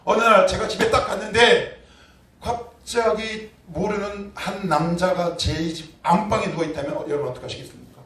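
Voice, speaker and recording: A man's voice: high-pitched, steady tone, normal speed, a bit bright. Emphatic male pastor preaching in echoey church. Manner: emphatic, rhetorical questions to congregation. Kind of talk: sermon. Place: church sanctuary. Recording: roomy church echo, distant mic.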